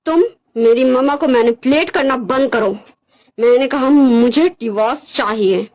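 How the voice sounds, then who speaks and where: A woman's voice: high voice, unhurried. A woman voicing a cold young man who curtly demands a divorce and brushes his partner off. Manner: curt and flat, demanding. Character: cold, dismissive young male alpha husband.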